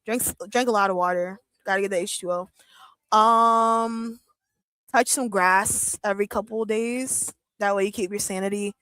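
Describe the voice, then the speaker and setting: A woman's voice: mid-range voice, fairly even intonation, moderate pace, a bit bright, clean tone, no room sound, poor audio. A woman in her thirties chatting casually on a live wrestling watch-along, joking with her chat, laughing often and using lots of fillers. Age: 30s. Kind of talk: casual live-stream chat reading comments.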